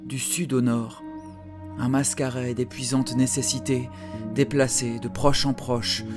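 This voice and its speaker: Man solemnly reciting poetry, flat intonation, over music. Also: mid-range voice. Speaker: poet reading own work. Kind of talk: literary poetry reading, recited. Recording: music under the voice.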